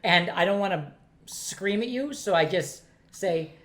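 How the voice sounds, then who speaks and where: Loud, joking middle-aged father. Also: sits high, lively intonation, measured pace. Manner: loud, joking, self-mocking. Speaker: podcast host and father. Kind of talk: casual family podcast banter.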